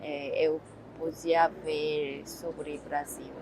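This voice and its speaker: Korean-accented woman in her 30s, interviewee, very slow and halting, low-ish voice. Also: little pitch movement, gravelly, background noise. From South Korea. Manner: halting, searching for words with many "ó" fillers. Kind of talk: casual interview answers.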